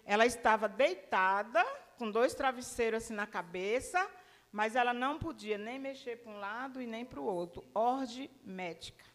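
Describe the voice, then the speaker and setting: A woman preacher giving a sermon testimony, telling her story in a lively way and acting out the dialogue. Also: fairly high pitch, moderate pace. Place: church hall. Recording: long church reverb.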